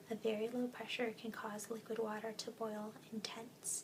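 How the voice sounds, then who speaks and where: Someone soft-spoken whispers at a moderate pace against noticeable background noise. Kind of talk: asmr reading of facts. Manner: soft-spoken, whispered.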